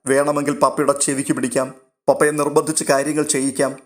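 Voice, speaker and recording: A man narrating a novel aloud in a steady, literary storytelling manner. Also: medium pitch, fast.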